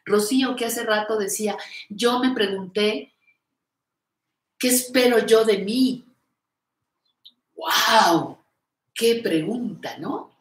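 A woman's voice: medium pitch, slow pace, long pauses. An older woman hosts a live stream, reading viewers' comments aloud and answering them in an encouraging, affectionate way. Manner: warm, encouraging, calls viewers "reina". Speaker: host of a live show on creative aging. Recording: echoey room.

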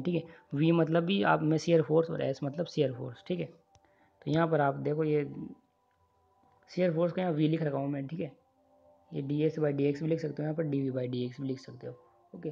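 This engineering instructor teaches an online lecture as voice-over on a screen recording, working through handwritten notes, drilling formulas and frequently checking on his students. He has a fairly high, slightly rough voice with vocal fry, and the audio is dull.

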